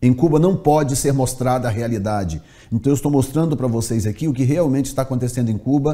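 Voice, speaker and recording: This man has a medium-pitched voice with a dark, mellow tone. He talks at a very fast pace with ordinary pitch variation. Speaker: YouTuber and missionary. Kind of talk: opinion monologue. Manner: animated.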